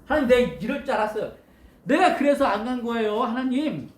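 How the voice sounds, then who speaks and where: A man voicing the sulking, indignant prophet Jonah, complaining loudly in a told Bible story. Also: animated, brisk, roomy sound. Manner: pleading and complaining, louder and higher than his narration.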